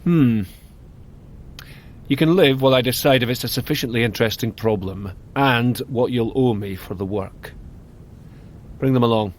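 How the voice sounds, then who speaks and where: An actor playing a vengeful, shrewd dwarf chieftain in an audio drama, gruff, sarcastic and used to command. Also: male voice, mid-range voice, normal speed, long pauses, a little mellow, a little hiss or hum, natural voice.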